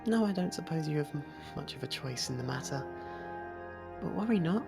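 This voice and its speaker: A woman voicing a possessive, softly menacing fairy royal in love, coaxing in an ASMR roleplay and slipping into whispers. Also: low-pitched, animated, brisk, vocal fry, music in the background. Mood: tender, possessive.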